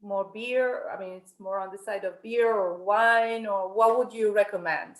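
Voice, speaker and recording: A woman interviewing a guest, asking slow, encouraging questions. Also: medium pitch, fairly even intonation, roomy sound. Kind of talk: casual interview chat.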